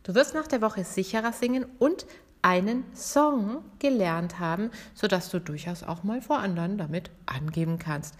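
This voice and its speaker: A woman singing teacher guiding a vocal warm-up in a podcast lesson, calm and encouraging as she talks the listener through each exercise. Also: medium pitch, moderate pace. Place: podcast episode.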